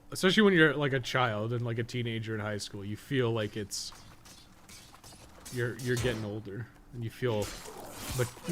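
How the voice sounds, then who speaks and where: A man's voice: mid-range voice, a bit bright. A young man giving casual live gaming commentary, thinking aloud in a rambling, mildly sweary way. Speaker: game streamer. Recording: noticeable background noise.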